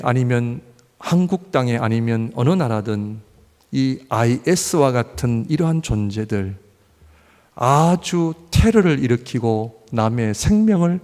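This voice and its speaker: Pastor, male, lively pitch, gravelly mellow tone, sermon in a reverberant church hall. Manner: swings from loud impassioned pleading to low measured scripture reading. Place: church sanctuary.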